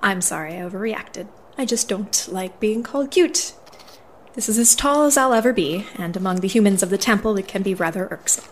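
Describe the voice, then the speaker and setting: A woman's voice: medium pitch, brisk, slight background noise, lightly acted. A woman playing an earnest, prickly dwarven paladin in an audio drama, speaking in a firm, formal, businesslike way. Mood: apologetic, formal.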